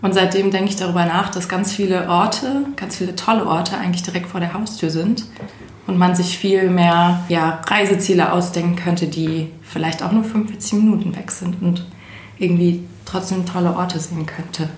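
A woman speaks at a moderate pace in a medium pitch with fairly even intonation, over noticeable background noise and audible room echo. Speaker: music journalist and podcast host. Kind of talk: casual chat.

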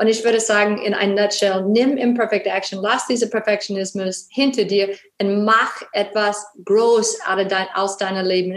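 A woman's fairly high-pitched speech in an English accent, at a moderate pace with fairly even intonation, over noticeable background noise. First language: English (speaking German). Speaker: business mentor. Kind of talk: casual interview. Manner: halting.

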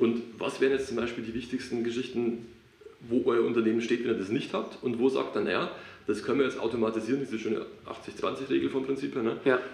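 A man talks at a fairly quick pace. Room echo is audible, and background noise is noticeable. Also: medium pitch for a man, ordinary pitch variation. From Lower Bavaria, Germany. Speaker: software company CEO. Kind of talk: podcast interview.

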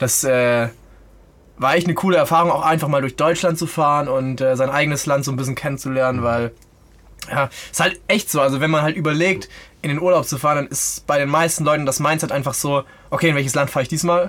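Very fast and fairly even in intonation, a man speaks at a fairly high pitch. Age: 20s. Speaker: YouTuber and van enthusiast. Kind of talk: casual chat. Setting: recording at a trade fair.

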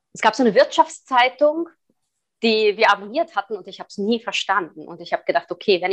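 Her pitch swinging very widely, a woman with a Hungarian accent talks fairly quickly at a fairly high pitch, the sound dry and close with no echo. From Hungary, early childhood in East Germany. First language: Hungarian (speaking German). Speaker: hypnotist for quitting smoking. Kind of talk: interview.

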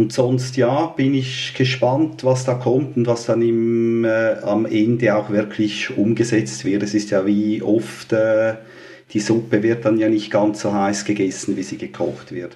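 The speech comes at a very slow pace from a man. Noticeable background noise can be heard. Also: medium pitch for a man, ordinary pitch variation. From Switzerland. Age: 50s. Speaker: entrepreneur and P2P investor. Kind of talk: casual chat.

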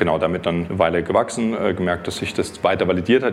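A man with a very deep, low pitch talks at a very fast pace in a monotone, flat intonation over noticeable background noise. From southwestern Germany, Baden near Freiburg. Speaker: startup founder and CEO. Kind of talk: interview.

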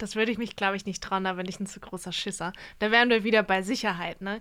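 A very fast pace of speech, on a very clean recording with a silent background. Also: woman. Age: 20s. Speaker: podcast co-host. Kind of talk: casual chat. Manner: animated.

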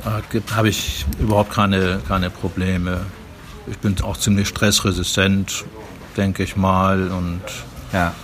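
A very slow, monotone delivery with flat intonation, long and frequent pauses, and noticeable background noise. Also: man, very deep, low pitch for a man. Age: 70s. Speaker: retired masters athlete and sports badge examiner. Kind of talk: interview answers. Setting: outdoors on a beach.

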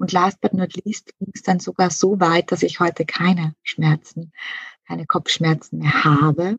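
Speaking with a slight Austrian accent, a woman uses a fairly low pitch at a fairly slow pace. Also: fairly even intonation. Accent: Austrian German, light. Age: 30s. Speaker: mental coach and author. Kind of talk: podcast interview.

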